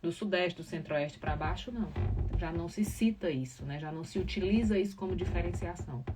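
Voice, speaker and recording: A woman from Ceará with a Cearense accent, a journalist explaining on a podcast with carefully trained, clearly articulated diction. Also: on the low side, fairly quick, distant mic, music in the background. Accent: Cearense Brazilian Portuguese. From Ceará, Brazil. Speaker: journalist, podcast guest speaker.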